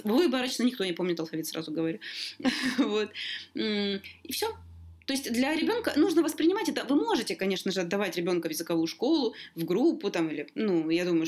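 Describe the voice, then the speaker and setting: A woman language teacher chatting as a podcast guest, explaining in a lively way with sudden lifts in her voice. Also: mid-range voice. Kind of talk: casual conversation, explaining.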